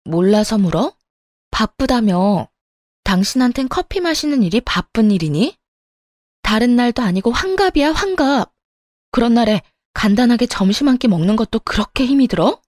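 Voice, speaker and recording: A woman's voice: a little high, sing-song, normal speed, darkish tone, dry recording, studio quality. A woman voicing a tired wife who pushes back against her dismissive husband. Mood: indignant. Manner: pleading then sharply indignant. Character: exhausted, indignant wife, an ER worker in her 30s.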